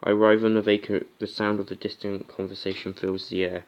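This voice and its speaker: A man's voice: lowish voice, flat delivery, brisk, highs cut off, a little hiss or hum. A man hosting a let's play, chatting casually and reading a visual novel aloud. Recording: music behind the voice. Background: music.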